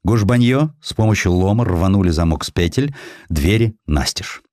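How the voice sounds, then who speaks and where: A man with a deep voice narrates a literary audiobook. His delivery is expressive and theatrical, with a very varied melody. The sound is dry and close, with hardly any room in it. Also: moderate pace, no room sound. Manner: expressive storytelling with acted dialogue. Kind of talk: dramatized scripted narration.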